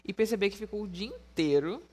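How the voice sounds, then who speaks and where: A young man vlogging in casual, frank storytelling to his viewers, playful and quick to laugh. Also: sits high, animated, a little mellow, slightly rough.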